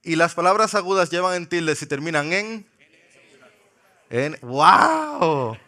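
A pastor preaches to his church in a bright, ringing voice that sits a little high for a man. He jokes easily with the congregation, then slows right down to lean on the words that matter. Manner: slows for emphasis on key words. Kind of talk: sermon. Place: church sanctuary.

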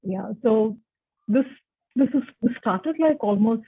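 A woman's voice: a little high, lively intonation, slow pace, husky. A woman in her forties whose first language is Tamil, talking casually as an interview guest, chatty with frequent restarts. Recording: muffled phone-like line.

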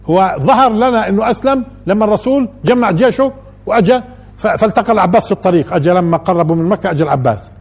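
A man gives a colloquial lesson on scripture, talking quickly in a fairly high, husky voice. He keeps turning to his listeners with rhetorical questions. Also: a little mellow. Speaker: religious teacher.

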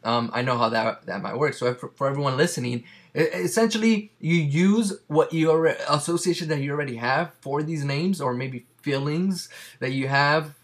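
A man's voice: on the high side, normal speed. A man whose first language is Spanish, hosting a casual interview and talking with many fillers and restarts. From Mexican family. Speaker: podcast host.

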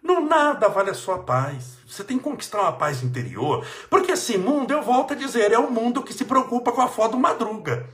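A man with a Brazilian accent gives a motivational religious talk. His voice sits high and swings widely in pitch. He hammers his points with repetition and the odd chuckle. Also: big pitch swings, a little fast, hardly any pauses, fairly bright tone. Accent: Brazilian Portuguese. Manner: emphatic, repeats phrases for stress, chuckles. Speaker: politician giving life advice.

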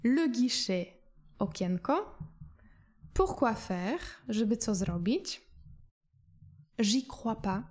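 A woman French teacher explaining phrases in a recorded lesson, patient and clear, slowing down for her foreign examples. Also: a little high, big pitch swings, darkish tone.

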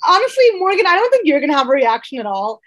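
A woman's voice: sits high, big pitch swings, very fast, a bit bright. A woman in her thirties co-hosting a podcast, talking casually and conversationally. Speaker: podcast host.

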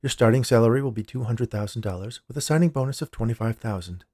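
A man's voice: medium pitch, quick pace, warm tone, no room sound, natural voice. A man reads as a female company lawyer in a short story. She is officious and cool, speaking in formal, unbending phrases, with a very dry, close sound. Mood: businesslike. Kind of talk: audio fiction character dialogue.

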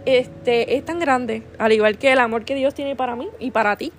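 A Puerto Rican podcast host shares a heartfelt devotional, earnest and affectionate, sprinkling in "¿verdad?" and restarting phrases. Her voice leans high at a normal speed, with soft music playing behind her.

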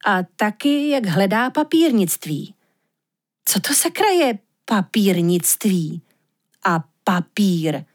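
A woman voicing a small, skeptical female arctic fox who teases in a wry, doubtful way, with a husky voice. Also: medium pitch, lively intonation, natural voice.

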